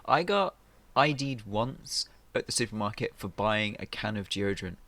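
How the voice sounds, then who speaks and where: A man's voice: fairly low pitch, lively intonation, moderate pace, bright, forceful tone, no room sound. A young man with a British accent, hosting a casual podcast chat and telling stories with incredulous animation. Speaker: podcast host.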